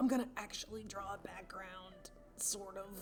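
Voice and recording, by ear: A strained, put-on character voice, female-sounding and at a medium pitch for a woman, at a moderate pace over clear background noise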